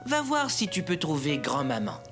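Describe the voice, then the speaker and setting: A man's voice: fairly high pitch, wildly swooping pitch, normal speed, music in the background. A man playing a busy, mild-mannered father in a children's cartoon. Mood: firm, harried. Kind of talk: cartoon dub acting.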